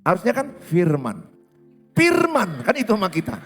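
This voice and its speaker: A middle-aged male pastor with a Batak lilt preaches in a church, his voice pitched high and swinging widely as he quizzes the congregation and mimics regional accents. Faint music plays behind him. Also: huge pitch swings, moderate pace, a bit bright. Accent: Batak-inflected Indonesian. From Indonesia. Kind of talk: sermon. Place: church hall.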